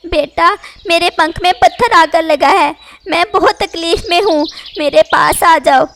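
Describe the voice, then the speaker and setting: A woman doing a sharp, scolding mother bird. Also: sits high, animated, normal speed, slight background noise. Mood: pained, loud. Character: stern scolding mother bird who favors her own daughter.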